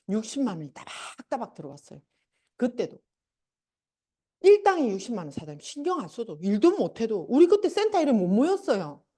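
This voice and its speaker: A woman's voice: a little high, mellow. A middle-aged woman, giving a motivational sales seminar talk and telling stories animatedly, acting out her family members. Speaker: seminar speaker.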